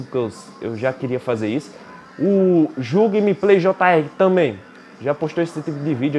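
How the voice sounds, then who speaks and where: A young Brazilian man with a Brazilian Portuguese accent, giving excitable gameplay commentary while racing and trash-talking the game. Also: fairly high pitch. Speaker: gaming YouTuber.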